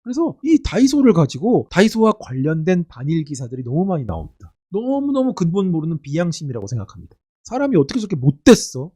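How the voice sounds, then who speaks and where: A man's voice: fairly high pitch, wildly swooping pitch, fast, mellow, slightly rough. A middle-aged man hosting his own channel, giving sarcastic, indignant commentary in a casual ranting style. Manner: sarcastic, indignant, mocking asides.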